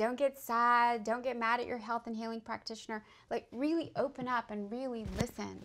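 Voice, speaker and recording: Speaking at a moderate pace, a woman with an American accent has a fairly high pitch and monotone, flat intonation. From Houston, Texas. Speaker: wellness video host. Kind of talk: interview. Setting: studio.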